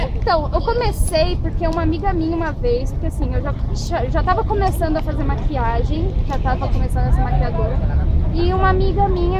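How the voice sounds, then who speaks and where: A woman speaks at a moderate pace, with crowd noise in the background and a dry sound with no echo. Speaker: youtuber meeting fans. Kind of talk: casual interview answer. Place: garden.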